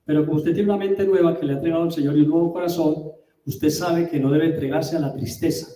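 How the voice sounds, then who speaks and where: A man preaching a sermon as a pastor, emphatic, with rhetorical questions and drawn-out words. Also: a little high, steady tone, warm tone, a little hiss or hum. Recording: roomy, distant mic.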